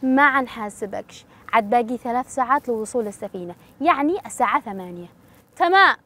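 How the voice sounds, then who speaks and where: An actress playing a sharp-tongued, demanding woman traveler with a Yemeni accent. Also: a little high, lively intonation, fast talker. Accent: Yemeni Arabic. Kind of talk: TV drama acting.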